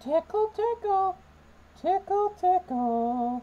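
A squeaky, put-on character voice pitched extremely high and delivered at a very slow pace. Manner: creepy, teasing.

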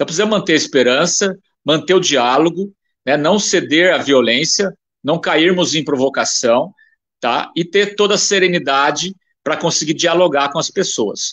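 Speaking at a high pitch and a moderate pace, a man shows ordinary pitch variation over a quiet background. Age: 50s. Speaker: political candidate, public school teacher; candidate, public school teacher. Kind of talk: political interview. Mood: calm, measured. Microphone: video call.

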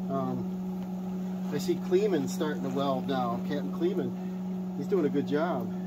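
A man speaks over loud background noise. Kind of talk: casual vlog commentary. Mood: self-deprecating, joking. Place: open country.

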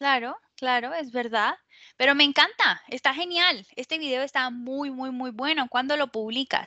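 A woman speaks at a fairly slow pace in a high pitch. The background is quiet. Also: ordinary pitch variation, dry sound with no echo. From Colombia, Cúcuta; Colombia. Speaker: Spanish teacher. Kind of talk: casual conversation lesson. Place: home room. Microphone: headset.

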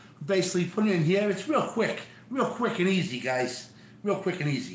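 Amid light background noise and audible room echo, a man with a high pitch speaks at a fairly quick pace. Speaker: live streamer. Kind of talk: casual tutorial chat. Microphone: phone near.

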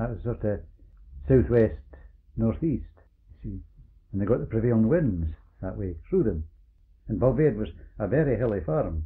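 A man with a Scottish accent speaks at a moderate pace in a fairly low voice. His pitch swings very widely, and he takes long, frequent pauses. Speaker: retired farmer. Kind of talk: interview answer.

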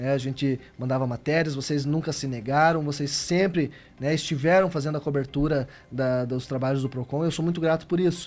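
Using a plain, everyday voice, a man talks at a fairly quick pace with fairly high pitch and fairly even intonation. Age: 20s. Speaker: newly elected city councillor; elected city councillor. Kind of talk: radio interview. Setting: radio studio. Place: studio. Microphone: studio mic.

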